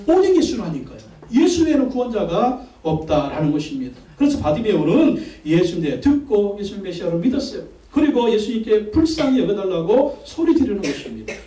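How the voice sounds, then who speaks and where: A male pastor delivering a sermon in a strikingly high, warm voice. He hammers home his points with repeated rhetorical questions and calls for the congregation to repeat after him. The sound is echoey, picked up from a distance in a church sanctuary. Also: sing-song, a little fast, hardly any pauses. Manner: emphatic, repetitive rhetorical questions, call-and-response. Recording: echoey hall, mic from far off.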